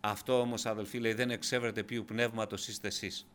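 A man preaching a sermon with fervent delivery, swinging from loud emphasis to hushed asides and often addressing the congregation as brothers. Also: fairly low pitch, level tone, a little hiss or hum. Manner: keeps addressing listeners as brothers.

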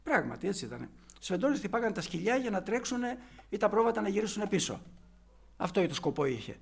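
A man preaching a fervent sermon in a high, gravelly voice. He moves between retelling a story and urging his listeners to faith, and his voice often rasps into fry. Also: sing-song.

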